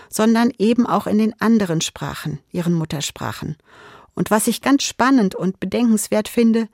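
A German-speaking woman reading a calm, personal spiritual reflection for radio. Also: mid-range voice, no echo, studio quality.

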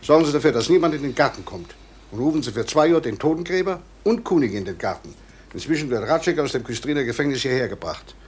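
A man acting in a German radio drama as a stern justice official, speaking with formal, deliberate authority. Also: medium pitch, expressive, a little hiss or hum, natural voice. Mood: brisk, commanding.

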